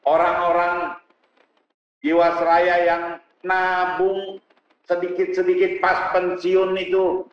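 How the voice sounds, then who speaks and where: Male guest, earnest and animated, slightly high-pitched, echoey lo-fi room. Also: slow pace. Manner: animated, addresses host as "Pak" often. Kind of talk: casual talk show conversation. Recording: roomy, dull studio sound.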